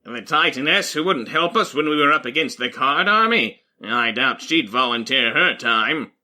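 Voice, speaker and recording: A man playing an excitable, blunt companion on a fantasy quest, speaking theatrically in an audio drama. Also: medium pitch, normal speed. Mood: skeptical. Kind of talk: scripted audio fiction acting.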